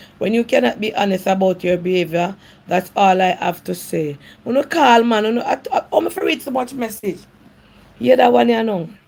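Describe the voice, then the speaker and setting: A woman speaks with a Jamaican accent and vocal fry. Her intonation is lively and her pace fairly quick. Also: medium pitch for a woman. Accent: Jamaican Patois-inflected English. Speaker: live-stream host reading viewer messages. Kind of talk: casual live-stream chat. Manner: laughing often.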